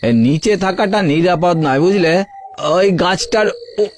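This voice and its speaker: A man's voice: high-pitched, unhurried. A man voicing a worried village farmer who frets and stammers in exasperation, in a cartoon. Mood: exasperated. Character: worried middle-aged village farmer, fretful. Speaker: farmer husband. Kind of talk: cartoon voice acting. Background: background music.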